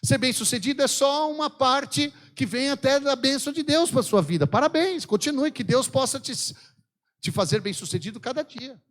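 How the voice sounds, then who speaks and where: A man with a Brazilian Portuguese accent preaching a fervent, exhorting sermon at a church event. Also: normal speed. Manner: fervent, exhorting the congregation with sweeping pitch swings.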